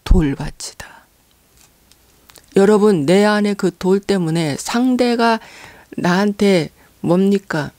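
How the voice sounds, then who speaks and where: A woman pastor preaching a sermon, earnestly posing rhetorical questions to the congregation and pausing on fillers between phrases. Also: mid-range voice, a little mellow, dry recording.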